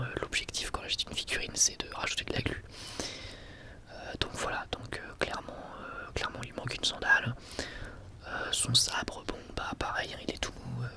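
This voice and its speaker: Whispering Frenchman, ASMR style. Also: mid-range voice. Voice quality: breathy, unvoiced whisper. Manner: hesitant, halting, wryly sarcastic. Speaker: ASMR video host. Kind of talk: whispered ASMR product review.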